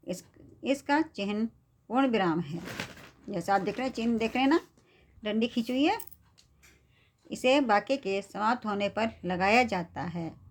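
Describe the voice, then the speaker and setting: A woman teacher patiently explaining a lesson to young students, often checking in with them. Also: medium pitch. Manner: patient, repeats "theek hai" to check understanding.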